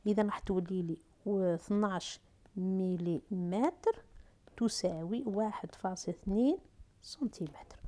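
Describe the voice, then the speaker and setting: A woman math and physics teacher with an Algerian Arabic accent gives a middle school whiteboard lesson on unit conversions. Her voice is mid-range with a dark tone. She talks through each step slowly, asking questions and then answering them herself.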